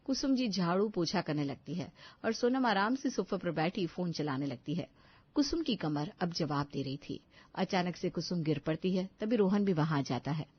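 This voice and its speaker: A woman narrating an animated story in an even, scripted way. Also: fairly low pitch, normal speed, breathy edge, no echo, lo-fi sound.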